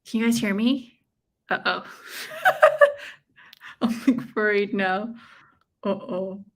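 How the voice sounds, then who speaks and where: An American woman hosts a live watch-along, speaking slowly at a medium pitch. She chats with viewers in a loose, gushing, slang-filled way while commenting on the fight.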